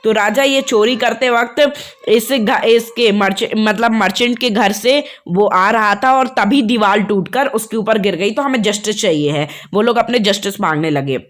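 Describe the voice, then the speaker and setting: A woman's voice: medium pitch, moderate pace. A woman teacher casually retelling a textbook story for students, chatting to listeners and often repeating key points. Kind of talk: casual storytelling explanation of a class lesson.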